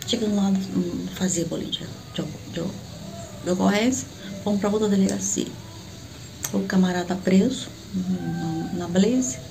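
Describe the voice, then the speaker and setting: A middle-aged woman with a Brazilian Portuguese accent, a church prophet giving a personal testimony and acting out the dialogue as she tells it. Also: vocal fry. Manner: animated, acts out the dialogue with sharp jumps in pitch.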